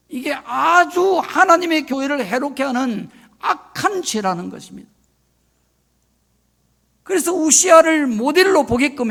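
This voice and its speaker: Older preacher with a high, gravelly voice. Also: male voice, a bit bright. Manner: solemn warning, emphatic lists. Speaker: retired senior pastor. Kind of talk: sermon.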